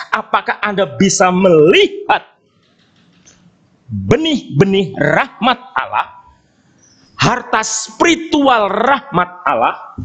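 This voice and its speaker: A priest in his fifties preaches to the congregation, his high voice swooping up and down as he tells a story. He keeps turning to the listeners to call them brothers and sisters. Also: fairly bright tone. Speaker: Catholic priest. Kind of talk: sermon. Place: church during Mass.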